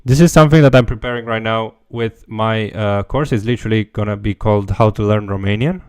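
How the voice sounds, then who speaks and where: A man's voice: lowish voice, a little fast, clean tone, no room sound, studio quality. A man teaching a language, answering viewer questions in a casual livestream and thinking aloud as he goes. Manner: loose, talks while thinking aloud.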